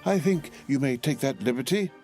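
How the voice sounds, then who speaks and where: A man's voice: medium pitch, lively intonation, moderate pace, mellow, soft background music, pitched above the performer's own voice, lightly acted. A man doing a soothing older doctor. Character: gentle older father, a doctor.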